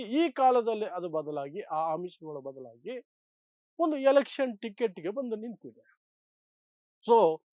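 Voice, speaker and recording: Male political commentator, high voice, emphatic and opinionated, repeats phrases for effect, dull close recording. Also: no echo. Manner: emphatic, rhetorical repetition in short phrases. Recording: dull, dry lo-fi sound.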